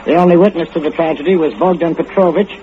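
An actor playing a male radio newsreader giving a brisk, matter-of-fact news bulletin. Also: a little high, natural voice. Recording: tinny old radio recording, faint hiss.

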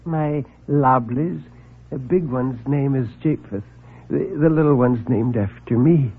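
A man's voice: mid-range voice, a little slow, slightly rough, pitched above the performer's own voice. A man putting on a timid stammering little man. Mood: nervous. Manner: hesitant, apologetic, stammering. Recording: lo-fi 1940s radio broadcast.

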